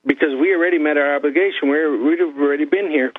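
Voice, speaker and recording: A man's voice: fairly high pitch, fairly even intonation, fast talker, slightly rough, no room sound. A man calling in to a talk show, telling a long story with laughs and quoted exchanges. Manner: rambling anecdote with laughs and quoted dialogue. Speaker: caller. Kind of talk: phone-in storytelling. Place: calling in from Texas. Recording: tinny dry phone line.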